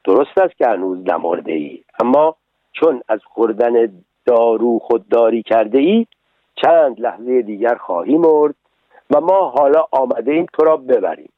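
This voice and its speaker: A man voicing a grim black rabbit undertaker in a storybook reading, speaking solemnly and low, over a tinny radio broadcast. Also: animated, no echo, natural voice.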